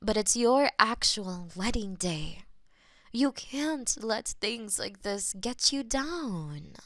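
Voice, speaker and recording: A woman voicing a possessive, lovestruck goddess of death in a romantic audio roleplay, murmuring intimately and slipping into breathy whispers. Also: medium pitch, lively intonation, slow pace, a bit bright, dry recording, studio quality. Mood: firm, insistent.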